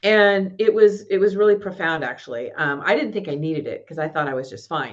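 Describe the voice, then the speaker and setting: Lively, medium-pitched speech from a woman against a quiet background. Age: 60s. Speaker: podcast host and trauma survivor sharing her story. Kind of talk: interview, personal testimony. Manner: hesitant, many fillers.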